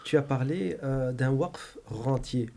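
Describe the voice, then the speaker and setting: A man's voice: mid-range voice, takes it slowly, vocal fry, mellow. A man hosting a podcast, asking polite questions with many filler sounds. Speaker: podcast host. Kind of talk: interview questions.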